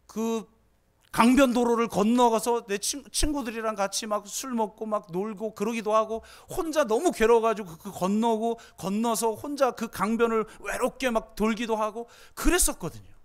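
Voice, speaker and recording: A middle-aged male pastor delivers a sermon in a high voice. He tells personal stories with feeling, dropping to near-hushed tones and then rising to impassioned pleas. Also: normal speed. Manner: emotional storytelling, swings from hushed to impassioned.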